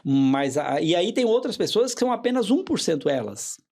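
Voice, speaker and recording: A man being interviewed as a hypnotherapist, explaining in a measured way and repeating key phrases for emphasis. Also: sits high, big pitch swings, gravelly, darkish tone. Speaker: hypnotherapist guest.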